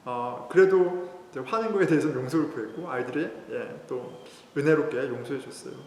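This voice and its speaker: A man's voice: medium pitch, fairly quick, a little mellow, a little hiss or hum. A male pastor preaching a sermon in a conversational way, telling a personal story. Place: church sanctuary. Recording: echoey hall reverb.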